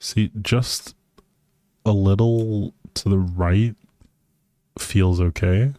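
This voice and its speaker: A man's voice: lowish voice, fairly even intonation, extremely slow, warm tone, dry recording. A man livestreaming a game with casual, playful, teasing chat to his viewers.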